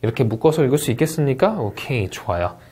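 A man delivers a recorded test-prep English lecture. His pitch swings widely as he talks, and he draws out the English practice words slowly and deliberately. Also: husky. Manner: lively, animated delivery, stretching out English model words slowly.

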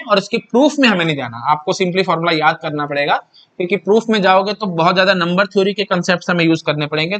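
A young Indian man with a fairly bright voice on the high side teaches an exam-prep math lecture, mixing Hindi and English. He is chatty and repetitive, often posing questions and answering them himself.

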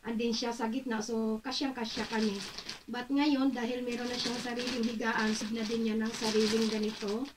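A woman's voice: a little high, flat delivery, normal speed, background noise. A middle-aged woman from the Philippines vlogging casually in her bedroom, chatting to viewers and mixing English words into her talk. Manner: chatty, addresses viewers as mamshi, mixes English into Tagalog. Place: bedroom at home, indoors. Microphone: camera across the room. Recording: voice a bit far from the mic.

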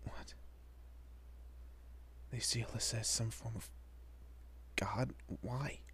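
A man playing a protective, easily bewildered young husband and father in an audio roleplay, with a husky, breathy, often whispering voice and halting, muttering delivery. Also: medium pitch, steady tone, a bit bright, full character voice. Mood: anxious, hushed. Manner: halting, muttering, mild swearing.

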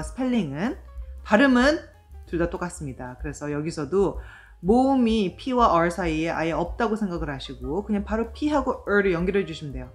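Woman, speech therapist, pronunciation lesson, low voice, careful demonstrations, faint music behind. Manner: slow, exaggerated model pronunciations with explanations.

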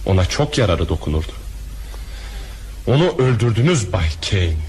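A man's voice: fairly low pitch, very animated, moderate pace, darkish tone. A man acting a proud, bitter hotel owner with a vengeful streak in a crime radio drama. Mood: bitter, menacing. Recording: faintly noisy radio drama recording.

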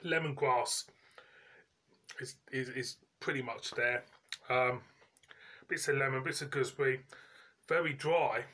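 Male reviewer, 40s, bright punchy voice, mid pitch, colloquial and casual. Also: fairly even intonation. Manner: informal, colloquial, pauses mid-sentence. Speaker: beer reviewer and host. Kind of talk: casual chatty video review. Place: indoors, living room at home.

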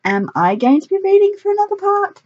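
A woman's voice: extremely high pitch, very animated, fairly quick, a little mellow, dull audio, pitched above the performer's own voice. A woman voicing an earnest, slightly unsure young actress in a storybook reading.

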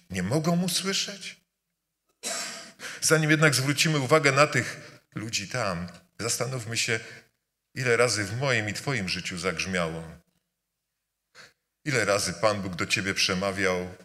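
A man with a fairly low but bright, forceful voice delivers a sermon in a church. He builds his points through repetition, swinging between loud appeals and hushed words. The long reverb of the church hall trails after each phrase. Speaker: preacher. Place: church during a service.

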